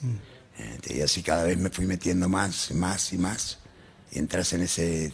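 This man speaks at a moderate pace with a Rioplatense accent and a very deep, low pitch. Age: 60s. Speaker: TV producer. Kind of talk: radio interview.

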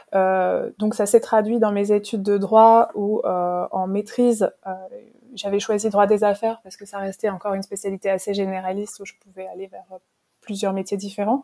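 A woman at a medium pitch and moderate pace, dark and mellow in tone, monotone and flat in intonation, with big swings in loudness. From Paris suburbs, France. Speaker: fashion brand founder, former lawyer. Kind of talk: interview.

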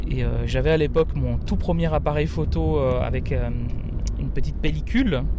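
A man at a fairly slow pace, his loudness very even, with audible room echo and noticeable background noise. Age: 30s. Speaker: travel photographer. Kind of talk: interview. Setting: in a car.

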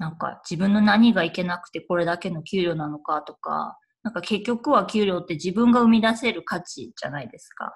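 With lively intonation and big swings in loudness, a woman talks at a fairly quick pace with hardly any pauses, her medium-pitched voice somewhat breathy. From Japan. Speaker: early retiree and YouTuber. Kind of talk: interview. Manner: frequent fillers.

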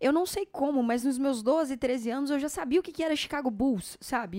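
A woman's dark, mellow voice at a fairly quick pace, on a very clean recording with a silent background. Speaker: podcast co-host, designer and content creator. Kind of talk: casual chat.

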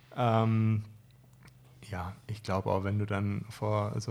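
Somewhat breathy and fairly low, a man's voice proceeds at a very slow pace. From Ulm, southern Germany. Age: 30s. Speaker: ice hockey player and club manager. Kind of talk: casual interview. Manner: hesitant with many fillers.

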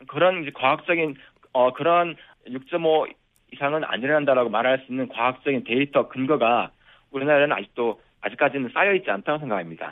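A man with a fairly high pitch talks fairly quickly, showing ordinary pitch variation. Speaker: earthquake researcher, professor. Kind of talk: interview. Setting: phone call. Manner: halting.

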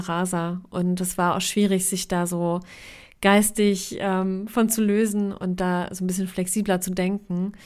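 This very clean recording has a silent background. A woman speaks at medium pitch and a moderate pace. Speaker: podcast host and novelist. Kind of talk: casual chat. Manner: animated.

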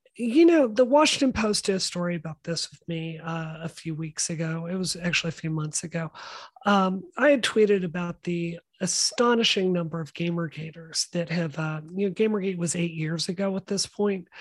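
A somewhat breathy woman with a fairly low pitch and ordinary pitch variation talks at a moderate pace, her loudness swinging widely. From US South, Mississippi. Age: 40s. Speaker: software engineer and political action committee director. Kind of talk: interview conversation. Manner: halting, many fillers.

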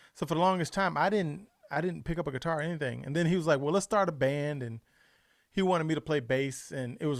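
With an American accent, a man talks at a very fast pace, his fairly high pitch carrying ordinary variation. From New York State (Poughkeepsie). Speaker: soul singer and guitarist. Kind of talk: casual interview.

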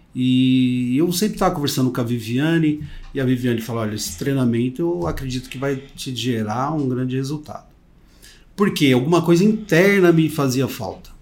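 Room echo clearly audible around a man talking at a moderate pace with lively intonation. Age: 50s. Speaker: team coach and insurance broker. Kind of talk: interview conversation. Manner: halting, with repetitions.

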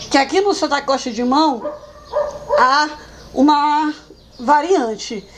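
Speech comes at a very slow pace, broken by long, frequent pauses. The pitch moves in an ordinary way over noticeable background noise. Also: woman, high pitch for a woman. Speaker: cultural agent and folk dance choreographer. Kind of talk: documentary interview.

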